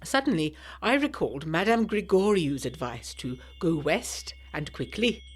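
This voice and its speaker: A woman's voice: low-pitched, unhurried, slightly rough, heavily acted. An actress playing an earnest, anxious young Englishwoman of the 1920s, reading her letter in formal, articulate English tones for a gothic audio drama. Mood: urgent, confiding. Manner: formal, articulate, expressive period diction.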